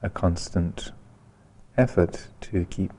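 A man's low-pitched, slightly rough voice guides listeners through meditation. He stays calm and gentle, never rushing, and pauses long between phrases.

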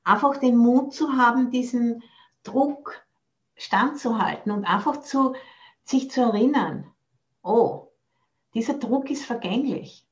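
A woman's voice: fairly high pitch, slow pace. Reflective woman over muffled audio. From Austria. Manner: thoughtful, searching for words, mixes in English phrases. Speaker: Buddhist nun teacher. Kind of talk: dharma talk. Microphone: video call.

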